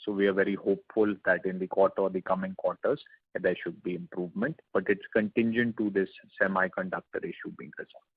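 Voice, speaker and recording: Husky low-voiced man on a phone line. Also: fairly even intonation, quick pace, no room sound. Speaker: company executive. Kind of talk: earnings call answers, business explanation. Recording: narrowband phone conference line.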